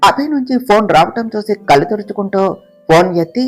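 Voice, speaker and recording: A storyteller reading a family love story in steady, emotional narration. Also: medium pitch, fairly quick. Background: soft guitar music.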